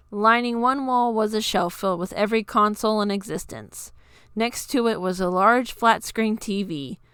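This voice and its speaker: A woman's voice: mid-range voice, clear, resonant tone, no room sound, studio quality. A woman reading a scripted story aloud as its narrator. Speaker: narrator reading own fan fiction.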